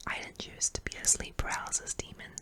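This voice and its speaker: A performer voicing a kindly, apologetic sleep paralysis demon in a soft, hesitant, breathy whisper for an ASMR roleplay. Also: fast, close to an everyday voice. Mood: apologetic, gentle.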